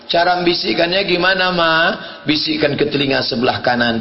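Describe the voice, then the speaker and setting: A man delivers a humorous sermon in a slightly high voice. He tells stories and plays out their dialogue, laughing and now and then shouting a point. The recording sounds dull and lo-fi. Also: fairly quick, slight background noise. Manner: animated storytelling, acting out dialogue with laughs and shouts. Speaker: preacher.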